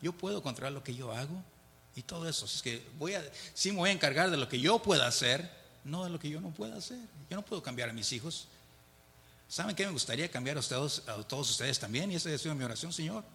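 Here a man with a slightly high, creaky voice and a sharp tone talks fast and with animation. He's teaching a Bible study conversationally, reading verses aloud, explaining them, and often asking "¿verdad?" with chuckles between points. The recording comes from a reverberant hall.

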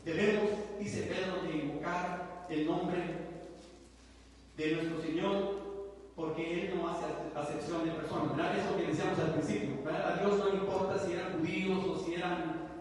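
A man's voice: high-pitched, fairly even intonation, moderate pace. A man from Guatemala, preaching a Bible study in a conversational way and often checking in with his listeners. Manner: conversational, constantly tags with rhetorical questions. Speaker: lay preacher. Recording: echoey hall from far off, faint hiss.

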